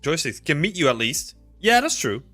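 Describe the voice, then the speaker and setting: A Belgian man in his thirties hosts a livestream from a small room at home, chatting casually in a fairly high, bright, forceful voice with big pitch swings at normal speed. He rambles with lots of fillers while answering chat questions, using a desk mic and headphones, with soft music in the background.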